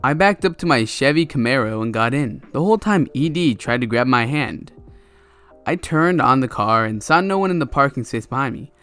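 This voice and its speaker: This Reddit story narrator is a young man with an expressive, mid-range voice and a clean tone, speaking at a normal speed. He reads the online stories casually, breaking into laughing, stumbling asides over a quiet music bed.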